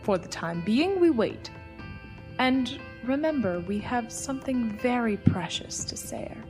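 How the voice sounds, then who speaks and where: An actress playing a cold, commanding villain in an audio drama, measured and menacing in manner. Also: female voice, fairly high pitch, animated, darkish tone, soft background music. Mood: scornful, menacing. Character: cold, commanding female villain, leader of conspirators.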